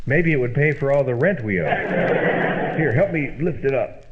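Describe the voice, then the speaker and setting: A man's voice: medium pitch, lively intonation, moderate pace, lightly acted. A man playing a skeptical, exasperated, sarcastic roommate in an old-time radio comedy. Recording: muffled, noisy old-radio sound.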